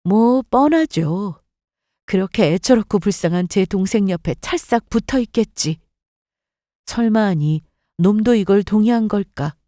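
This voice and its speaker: Woman narrating a bitter story, mellow tone. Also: medium pitch, no echo, clean studio sound. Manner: bitter, resentful telling. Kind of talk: scripted first-person story narration.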